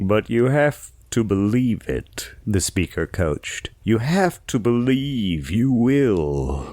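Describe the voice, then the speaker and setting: A man puts on a character voice at medium pitch, speaking at a very slow pace. His pitch swings very widely while his loudness stays very even. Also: hardly any pauses. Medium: read story. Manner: soft, affectionate, unhurried menace.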